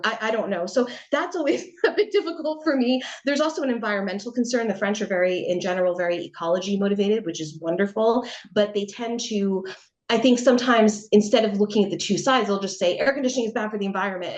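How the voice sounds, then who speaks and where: A woman's voice: mid-range voice, darkish tone. Chatty American woman, reflective guest. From United States. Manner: chatty, reflective, with frequent hedges and laughs. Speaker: interview guest, writer. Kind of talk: casual interview answers.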